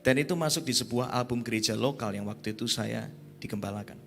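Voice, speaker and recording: A man preaching a sermon at a youth conference, emphatic, with sudden high exclamations. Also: quick pace, gravelly, fairly bright tone, faint music behind.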